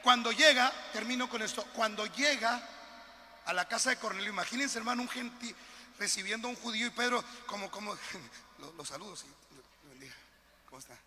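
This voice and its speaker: A man preaching a sermon as pastor, with a northern Mexican accent, passionate and swinging between quiet asides and shouted appeals. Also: sits high, expressive, a little fast, long reverb tail, a little hiss or hum.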